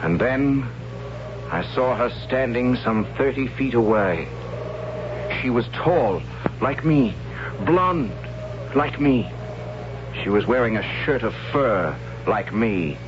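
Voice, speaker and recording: An actor playing an anxious, reluctant young tribal warrior who tells his own story in a dramatic 1970s radio drama style, measured with hesitant asides. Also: medium pitch, expressive. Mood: solemn, fearful. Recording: dull 1970s radio recording, loud music.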